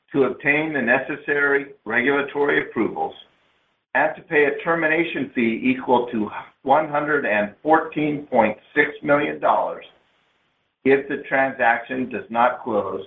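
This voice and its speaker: Man on a tinny, echoey phone line. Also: medium pitch. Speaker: company executive on an investor earnings call. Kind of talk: scripted corporate presentation, read aloud. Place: conference call line. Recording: narrow phone-line sound, roomy echo.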